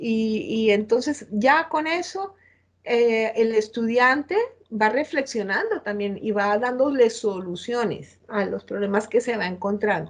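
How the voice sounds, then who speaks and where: A woman talks at a fairly slow pace, her intonation lively. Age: 60s. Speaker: artist and educator. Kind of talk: webinar Q&A answers. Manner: halting.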